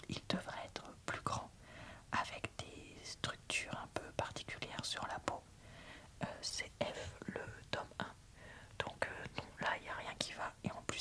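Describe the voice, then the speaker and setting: In a soft whisper, a woman who reviews books and hosts videos delivers an ASMR review and reading. She takes her time and keeps things informal.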